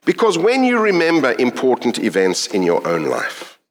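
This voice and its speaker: A middle-aged South African man preaches a sermon in a South African accent, earnest and reflective, with thoughtful pauses. His voice is medium in pitch with huge pitch swings.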